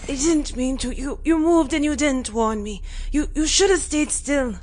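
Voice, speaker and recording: An entitled young prince, acted by a woman speaks with stiff, indignant pride. His voice is light and on the high side, with noise behind it. He sounds like a petulant noble in a sci-fi audio drama. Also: moderate pace, close to an everyday voice. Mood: defensive. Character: haughty, petulant young male alien warrior prince.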